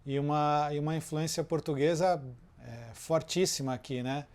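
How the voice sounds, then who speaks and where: A male interviewer talks loosely and warmly enough in easy conversation. His voice sits fairly high, and he fills his phrases with questioning tags and short fillers. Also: normal speed. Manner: chatty, loose, with many "né?" and "é" fillers.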